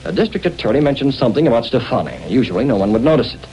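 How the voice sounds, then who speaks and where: A man's voice: medium pitch, very animated, rapid-fire, dark tone, close to an everyday voice. An actor playing a determined young male hero who explains things earnestly, on a crackly 1930s radio recording. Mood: resolute. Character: Britt Reed, determined young male publisher and masked hero.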